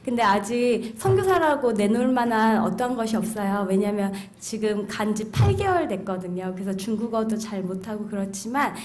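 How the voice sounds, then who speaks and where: A woman's voice: mid-range voice, lively intonation, normal speed, hardly any pauses, a little mellow. A young Korean woman giving a friendly self-introduction to a group as a missionary. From South Korea. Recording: faint background room noise.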